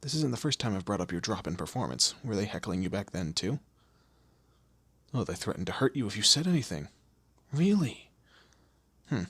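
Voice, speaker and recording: A man playing a commanding, teasing demon lord in an audio roleplay, with a low gravelly, husky voice and an imperious, theatrical manner. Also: very animated, normal speed, pauses often, fairly bright tone, no echo, heavily acted. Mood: probing, menacing. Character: male demon lord, commanding, menacing, teasing boss of hell. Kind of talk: scripted audio roleplay addressed to the listener.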